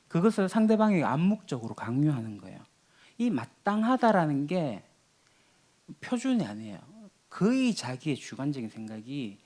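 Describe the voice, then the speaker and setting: A man's voice: on the high side, a little mellow. A man preaching a sermon as pastor, teaching in a conversational way with rhetorical questions. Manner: teaching, acts out quoted lines of everyday quarrels.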